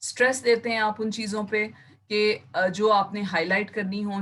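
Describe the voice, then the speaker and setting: A woman's voice: medium pitch, a bit bright, slight background noise. A woman teacher giving an online class, explaining terms step by step and mixing English words into her Urdu. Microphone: computer mic on a video call.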